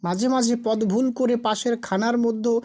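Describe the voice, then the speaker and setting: A woman with a fairly high voice narrates a scripted spooky tale. She reads as a storyteller, telling the ghost story in narrative prose. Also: steady tone, normal speed, mellow.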